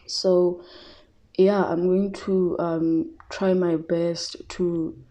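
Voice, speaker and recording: Soft-spoken, hesitant woman. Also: fairly low pitch, lo-fi sound. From South Africa. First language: Tshivenda. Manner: hesitant, many fillers and restarts. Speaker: tarot reader. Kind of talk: casual psychic reading.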